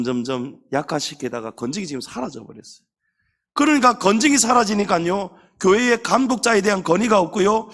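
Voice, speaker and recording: A man with a high voice preaching from a church pulpit. He swings from low, grave lines to sharp, mocking voices for the people in his examples. His delivery is lively and theatrical. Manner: animated preaching, acts out scolding elders and congregants. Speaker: pastor. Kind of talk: sermon. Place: church sanctuary.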